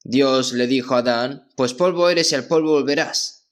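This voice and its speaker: Man preaching a slow, measured sermon. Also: mid-range voice. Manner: measured preaching with frequent questioning tags. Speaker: pastor. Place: church.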